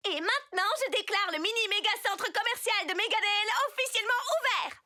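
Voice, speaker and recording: A woman's voice: extremely high pitch, fairly quick, sharp tone, heavily acted. A woman voicing a boastful, self-adoring teenage girl superhero in a French cartoon dub, with a grandiose, theatrical delivery. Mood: proud.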